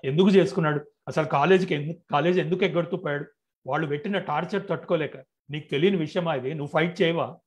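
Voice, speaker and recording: Guy reading as an earnest hot-headed young man, pushy and accusing, voice a bit high. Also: quick pace, close to an everyday voice. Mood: heated. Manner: pleading, then heated and accusing.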